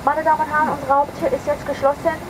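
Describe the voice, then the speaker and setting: A woman's voice: high-pitched, little pitch movement, rapid-fire. A woman flight attendant reading a formal passenger announcement over the cabin public address. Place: inside an airliner cabin. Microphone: cabin public address heard from a seat. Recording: very noisy aircraft cabin PA.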